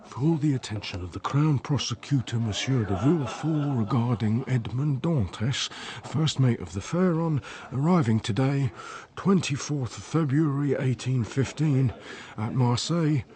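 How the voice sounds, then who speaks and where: An actor playing a lovesick, jealous young fisherman who is quick to anger, in a radio drama. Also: mid-range voice, animated, a crowd in the background, natural voice. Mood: reading.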